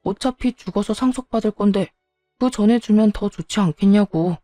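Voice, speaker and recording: A woman's voice: mid-range voice, moderate pace, dark tone, no echo, faint music behind, natural voice. Woman voicing a whiny ex-husband. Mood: complaining. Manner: pleading, then defensive and petulant. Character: whiny self-pitying ex-husband, grown man.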